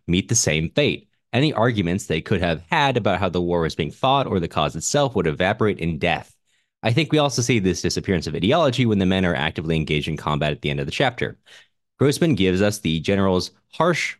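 A man with a very low voice talks through a book as a podcast co-host. His delivery is casual and slightly wry, and the recording is close and dry. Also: dry recording. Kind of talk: casual book discussion, reading out listener comments.

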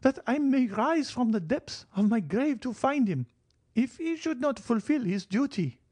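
A man's voice: extremely high pitch, big pitch swings, measured pace, darkish tone, husky, no room sound, voice pushed up, full character voice. A man reading an audiobook, voicing a frail, commanding old marchioness who talks feverishly of death. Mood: imperious, feverish.

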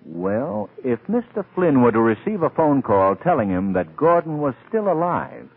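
Suave sleuth with swooping intonation. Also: male voice, medium pitch, very animated, slightly rough. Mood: wry, scheming. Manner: urbane, deliberate, drily ironic. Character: suave, wry, confident gentleman amateur sleuth. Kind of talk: old-time radio drama acting. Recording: tinny old radio recording.

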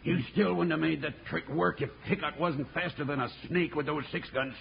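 An actor playing a smug, menacing American outlaw in a 1950s radio western, with a raspy voice. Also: male voice, a little high, fairly quick, heavily acted. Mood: grudging. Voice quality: raspy, gravelly. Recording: muffled vintage radio recording.

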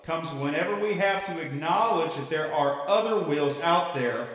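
An actor playing a chummy youth pastor, preaching casually and jokingly to a church camp crowd in an audio drama. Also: male voice, fairly high pitch, lively intonation, normal speed, a bit bright. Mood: teasing, preaching. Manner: chummy, rhetorical, self-deprecating. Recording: echoey large hall, distant from microphone.

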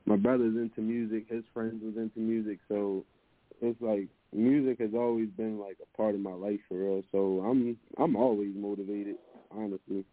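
Man, low deep voice, hesitant casual guest, phone-line sound. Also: moderate pace. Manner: relaxed, hesitant, lots of fillers and restarts. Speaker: musician guest. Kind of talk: casual interview answers. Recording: dry, narrow phone-like sound.

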